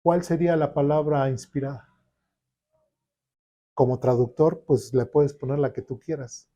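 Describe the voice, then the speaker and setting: A man's voice: on the high side, steady tone, measured pace, warm tone. Man teaching a casual Sunday school class. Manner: conversational, checks in with the class often. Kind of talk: informal Bible class lecture. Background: class recorded in a church room.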